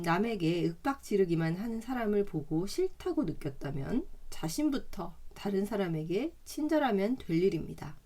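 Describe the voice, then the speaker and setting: A woman reading a self-help book aloud in a calm, measured way, adding chatty side comments, her throat slightly hoarse today. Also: lowish voice.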